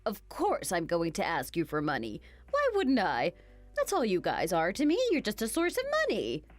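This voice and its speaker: A woman voicing a cruel, greedy older mother-in-law who mocks and insults in an animated story. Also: on the low side, normal speed, dry recording, soft background music. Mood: sneering. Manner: sneering, insulting, mocking.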